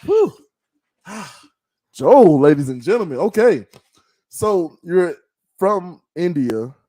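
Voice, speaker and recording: A man hosting a casual interview over a call, playful and quick to laugh. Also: high voice, big pitch swings, warm tone, no room sound, clean studio sound. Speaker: podcast host.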